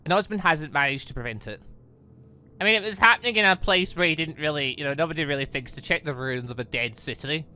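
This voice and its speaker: A man's voice: a little high, quick pace, sharp tone, smooth. A man giving let's play commentary as a gaming channel host, often stammering and breaking off to comment. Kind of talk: let's play commentary, reading visual novel dialogue aloud and reacting.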